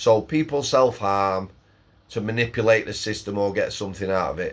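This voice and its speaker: The speaker is a man at a medium pitch. His pitch varies in an ordinary way. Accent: northern English. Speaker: former prison officer. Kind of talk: interview storytelling.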